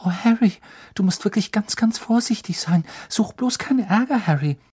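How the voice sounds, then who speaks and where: A man's voice: fairly high pitch, animated, brisk, darkish tone, breathy edge, voice pushed up. A man voicing a clever, earnest teenage schoolgirl who talks insistently and with worry. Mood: anxious. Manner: insistent and worried.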